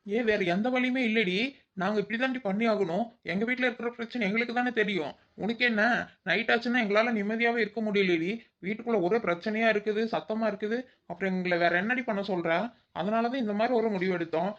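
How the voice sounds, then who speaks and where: Brief: a performer doing a fast-talking, whiny young village daughter-in-law, mid-pitched, on a dull lo-fi track. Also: a bit bright, close to an everyday voice. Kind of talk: cartoon voice acting. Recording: dull lo-fi recording.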